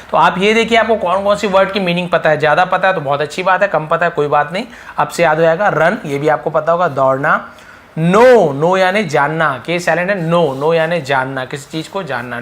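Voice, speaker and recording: A man with a fairly high voice runs through English vocabulary one word at a time. He says each word out loud with a lift, then drops into a quieter explanation of what it means. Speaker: English teacher.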